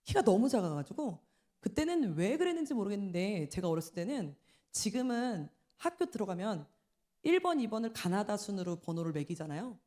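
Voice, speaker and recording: A woman's voice: medium pitch, sing-song, a little fast, warm tone. A woman in her forties preaching a sermon in a church, telling stories and acting out the voices she quotes. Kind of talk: sermon at an evening prayer meeting.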